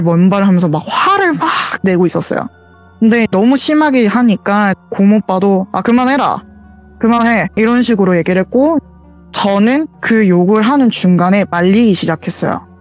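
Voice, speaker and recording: A woman calls in to tell a ghost story, speaking in an earnest, detailed way. Her voice sits at a medium pitch and comes through a voice call, with soft music playing faintly behind her. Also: animated, moderate pace. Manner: earnest, detailed retelling with quoted dialogue. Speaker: caller sharing a true ghost story. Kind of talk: casual spoken storytelling.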